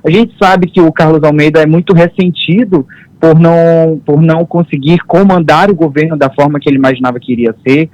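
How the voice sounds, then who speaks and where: A man's voice: on the high side, steady tone, a little fast, a little mellow, no echo, highs cut off. A man commenting on politics on a news show, speaking firmly and stressing his points by repeating them. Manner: firm, emphatic and repetitive. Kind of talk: studio commentary.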